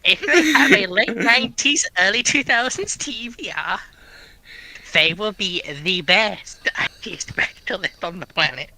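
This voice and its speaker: A man's voice: high-pitched, animated, measured pace, pushed and bright. A man chatting casually as a livestream panellist, trading joking banter with the others.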